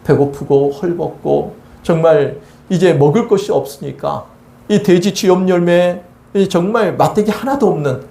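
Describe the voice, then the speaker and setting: A middle-aged man preaching a sermon as pastor, telling stories and swinging between soft, slow lines and emphatic ones. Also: on the high side, gravelly. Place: church sanctuary. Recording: echoey church sanctuary.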